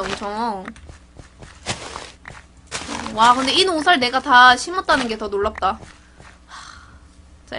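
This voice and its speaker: Bright, chatty woman gamer. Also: on the high side. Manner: chatty, narrates her own actions with excited exclamations. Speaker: gaming YouTuber. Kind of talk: casual gameplay commentary.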